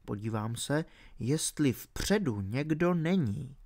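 A man voicing a small, cautious creature disguised as a cat in an audiobook, speaking in a hushed voice. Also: on the high side, huge pitch swings, heavily acted. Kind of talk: audiobook reading.

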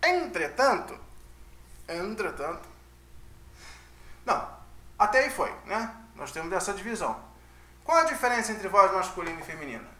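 A music teacher delivers a casual online lesson at normal speed, his high voice very animated, pushed and bright, broken by long pauses. He's chatty and keeps asking tag questions of his audience, with the recording carrying a roomy echo.

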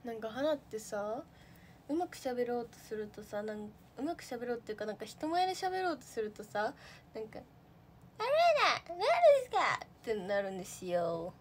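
A woman's voice: fairly high pitch, animated, fairly quick, darkish tone, slight background noise. A young woman, an idol trainee, chatting casually on a livestream, reading out viewer comments. She is talkative and giggly and uses a lot of fillers.

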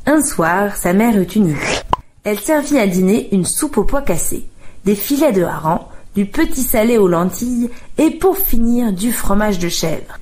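A woman narrating a children's tale in a calm, expressive storybook reading. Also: medium pitch, moderate pace, slight background noise. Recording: radio studio with music bed.

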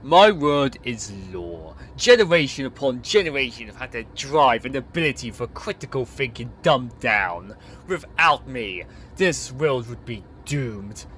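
Cold AI overlord for an audio play, pompous, threatening, varied in pitch, acted by a man. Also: animated, unhurried, fairly bright tone, slight background noise. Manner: pompous, menacing. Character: ancient tyrannical ruler in an AI body, cold. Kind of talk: amateur audio play acting.

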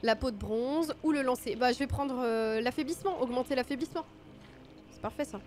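A woman's voice: high voice, a little fast, darkish tone. A woman streaming a video game with casual, self-mocking commentary, her nose stuffy from a cold. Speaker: gaming streamer.

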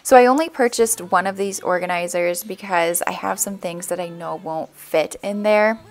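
A woman's voice: lowish voice, normal speed. Chatty upbeat woman vlogger. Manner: chatty and upbeat, easy asides. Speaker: vlogger, stay-at-home mom. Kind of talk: casual voice-over narration.

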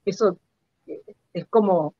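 A woman's voice: lowish voice, no room sound. Older Chilean woman, dull dry call audio. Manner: halting, repeats words for emphasis. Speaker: guest performance artist. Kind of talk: reflective personal storytelling in an interview. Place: indoor room at home. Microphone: computer mic on a video call.

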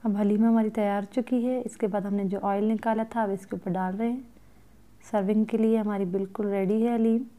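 A woman cooking in her home kitchen, calmly explaining each step of a recipe to her viewers as she stirs at the stove. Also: mid-range voice, a little fast. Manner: calm, instructive, addresses viewers directly. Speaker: cooking vlogger.

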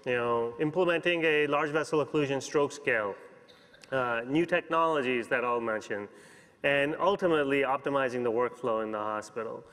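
A man's voice: fairly high pitch, a bit bright. Man lecturing from a reverberant conference stage. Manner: brisk, explanatory, frequent "you know" and "okay?" check-ins. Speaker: physician keynote speaker. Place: large conference hall stage. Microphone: lapel mic. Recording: long hall reverb.

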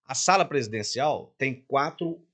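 An older man from Minas Gerais with a Mineiro accent, a guest singer on a podcast, telling a story in an animated way and acting out every line of dialogue himself. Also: medium pitch, measured pace. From Minas Gerais, Brazil.

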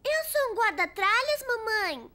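A performer voicing a curious, eager four-year-old boy in a Brazilian cartoon dub, childlike and expressive, with a Brazilian accent. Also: very high voice, measured pace, full character voice.

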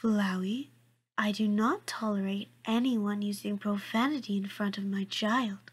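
A woman voicing a protective, motherly monster in a cartoon comic dub, speaking in a formal, firm, measured way. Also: medium pitch, steady tone, heavy background noise, lightly acted. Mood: stern. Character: stern, motherly female monster, proper and protective.

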